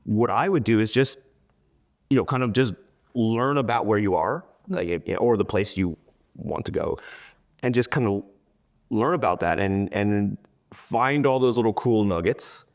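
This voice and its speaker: A man with a low voice gives a relaxed, informal interview. He tells things in a loose, rambling storytelling way, dropping in quoted asides as he explains. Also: normal speed. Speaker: interview guest, town crier and tour guide. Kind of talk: casual conversational interview.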